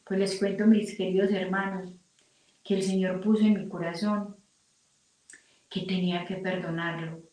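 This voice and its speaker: A woman's voice: on the low side, level tone, normal speed, long pauses, a little mellow. A middle-aged woman from Colombia telling her personal faith testimony in an earnest, emotional way. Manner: earnest, quotes her own prayers aloud. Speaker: testimony speaker. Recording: very echoey room, distant mic.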